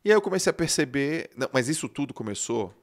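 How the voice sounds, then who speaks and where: A man hosting a podcast, telling a personal story in an animated way that swings between loud and hushed, with some casual swearing. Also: mid-range voice, fast talker. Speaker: podcast host.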